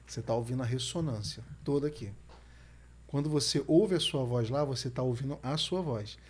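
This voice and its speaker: A man's voice: mid-range voice, fairly quick, husky. A man, hosting a casual podcast interview and explaining things conversationally. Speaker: podcast host.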